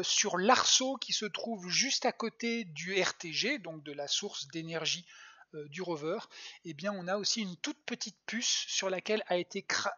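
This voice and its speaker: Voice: mid-range voice, a bit bright. A planetarium science educator giving a live online talk for children, answering viewers' questions with frequent hesitations and restarts. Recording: dull lo-fi home stream audio.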